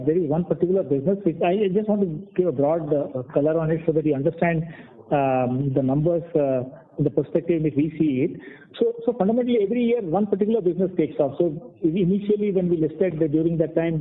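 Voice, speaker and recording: High-pitched Indian executive on a phone line. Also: male voice. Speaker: company executive on an earnings call. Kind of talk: answering analysts on a conference call. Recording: tinny phone conference line.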